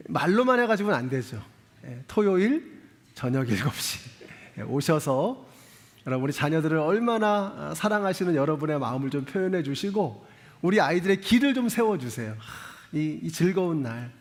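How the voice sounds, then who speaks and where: Lively exhorting pastor in echoing church. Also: male voice, a little high. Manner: addresses the congregation directly with frequent questions and "예"; earnest, exhorting. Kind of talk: sermon. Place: church sanctuary. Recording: long church reverb.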